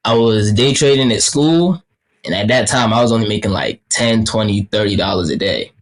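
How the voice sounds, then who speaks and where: A man's voice: lowish voice, expressive, moderate pace. A young man from Kenya, a native Swahili speaker, talking about trading in a laid-back, slangy way over a video call. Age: young adult. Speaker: guest trader. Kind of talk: casual interview.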